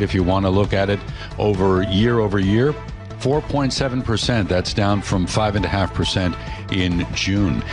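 A man anchoring a radio news and market report, with a brisk, crisp newsreader delivery. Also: lowish voice. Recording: studio read over music bed.

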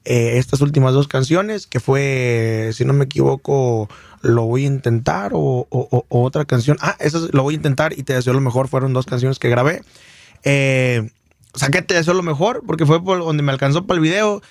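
A man's voice: medium pitch, normal speed, no room sound. Man w/ michoacán accent, singer guest on the radio, rambly, lots of "este" and "¿no?", dry booth sound. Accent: Michoacán Mexican Spanish. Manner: rambling, many fillers and restarts. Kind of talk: casual interview storytelling.

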